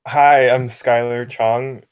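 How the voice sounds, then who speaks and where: A teenage boy from Hawaii, soft-spoken and thoughtful on a video call. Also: mid-range voice, flat delivery, slow pace, clear, resonant tone, lo-fi sound. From Hilo, Hawaii. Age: teens. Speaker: high school student and alumnus. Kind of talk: casual remote video call.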